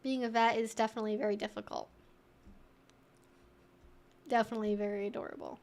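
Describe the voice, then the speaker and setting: A woman's voice: medium pitch, level tone, a little fast, a little mellow. A woman hosting a livestream, chattily and informally reading and answering viewer comments.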